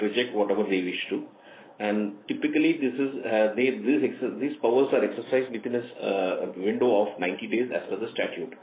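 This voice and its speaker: Low-voiced formal man, echoey phone line. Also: slight background noise. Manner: formal, legalistic, measured wording. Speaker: company executive answering questions. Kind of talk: formal earnings call answer.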